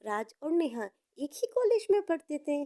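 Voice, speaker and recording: A woman's voice: high voice, big pitch swings, normal speed, dark tone, dry recording, clean studio sound. A woman narrating a moral story in an informal storytelling style.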